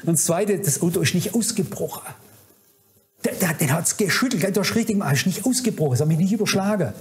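At a conference hall, a man preaches a fervent, admonishing sermon directly to his listeners. His voice sits high and is expressive, and he speaks fast.

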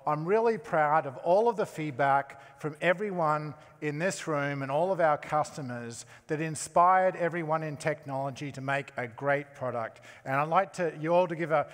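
A man giving a conference keynote as technology chief, talking in a halting way with many fillers and restarts. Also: a little high, fairly bright tone. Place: large conference hall. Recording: long hall reverb.

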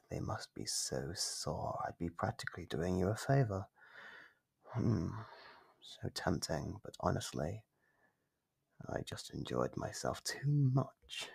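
An actor voicing an ancient, gleefully predatory monster in an ASMR horror roleplay, husky and breathy, teasing with slow menace. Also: male voice, low voice, exaggerated voice. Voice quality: husky, gravelly, breathy with whispers. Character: gleeful predatory monster from under the bed, centuries old.

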